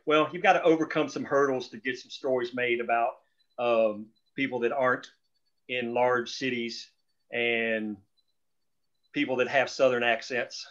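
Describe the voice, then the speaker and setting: A man's voice: medium pitch, steady tone, a little slow, a bit bright. A man talking casually and emphatically on a group call, rambling through his opinions and sometimes swearing. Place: group video or phone call. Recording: dull, lo-fi call audio.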